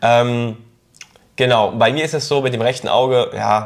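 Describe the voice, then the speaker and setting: As the man talks, background noise can clearly be heard. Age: 30s. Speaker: influencer, podcast host. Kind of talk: casual chat. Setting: studio sofa.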